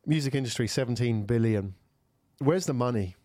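A man's voice: medium pitch, normal speed, warm tone, no room sound, clean studio sound. A man in his forties hosting an interview, chatting casually, with fillers and friendly prompts. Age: 40s. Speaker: podcast host.

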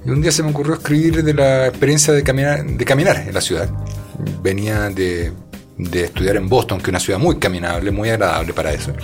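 Chilean guy chatting on a podcast, halting, lots of ums, music under him. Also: fairly low pitch. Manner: hesitant, many fillers and restarts. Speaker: guest. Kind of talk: casual conversation.

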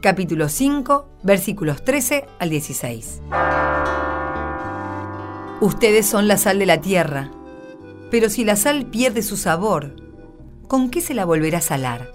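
A woman presenting and reading scripture in a solemn, scripted style for radio. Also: medium pitch. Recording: music behind voice.

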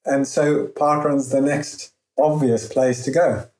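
A man's voice: medium pitch, steady tone, a little mellow. A man with a faint Zimbabwean accent, a guest in an interview, speaking earnestly and reflectively with some restarts. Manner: earnest, with frequent restarts and pauses. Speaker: guest, founder of a running event. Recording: roomy echo.

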